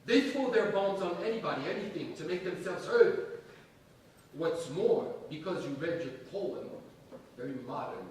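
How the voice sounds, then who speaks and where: Domineering, high-pitched strongman on stage. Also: lively intonation, a little mellow, recorded from a distance. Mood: menacing lecturing. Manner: emphatic, declamatory, deliberate pauses. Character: domineering secularist strongman actor, menacing and theatrical, middle-aged. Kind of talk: staged reading, theatrical declamation. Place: theater stage, live staged reading. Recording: echoey stage from afar, faint noise.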